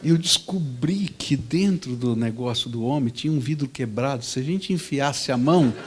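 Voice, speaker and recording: A man, a pastor preaching a sermon in a lively, conversational storytelling manner. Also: medium pitch, moderate pace, slightly rough.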